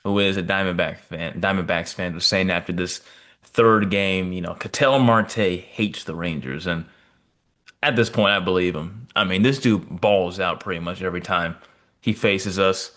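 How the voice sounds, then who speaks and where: A man's voice: low-pitched, moderate pace, fairly bright tone. A man co-hosting a casual sports podcast, talking in a let-down way with plenty of asides. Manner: disappointed, talks with fillers and asides. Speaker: podcast co-host.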